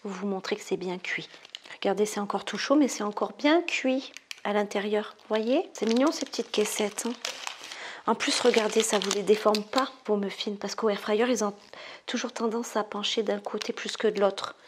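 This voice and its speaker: A woman's voice: mid-range voice, normal speed, noisy background. A woman hosting a casual cooking video, chatty and self-amused, often dropping her voice to a murmur.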